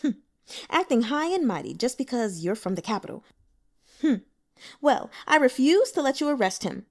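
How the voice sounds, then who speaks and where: A woman's voice: high voice, very animated, moderate pace, darkish tone, pitched above the performer's own voice, full character voice. A woman narrator plays a defiant troublemaker in a storybook tale. The delivery is sneering and taunting, openly challenging.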